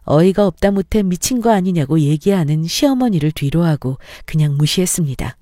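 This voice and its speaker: Woman storyteller, mellow warm tone, dry close sound, confiding and wry. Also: on the low side, expressive, brisk, no room sound. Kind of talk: scripted first-person story narration.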